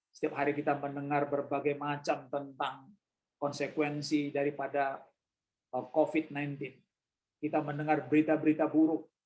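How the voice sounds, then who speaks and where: A man's voice: a little high, a little mellow, lo-fi sound. A male pastor preaching a sermon in church, emphatic and repetitive, addressing the congregation directly.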